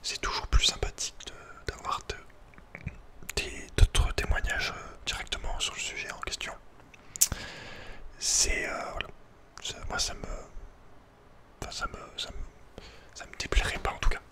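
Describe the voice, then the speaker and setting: Male ASMR host, fully whispered, casual and halting delivery, personal advice chat. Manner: hesitant, halting, informal. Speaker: ASMR video creator and host.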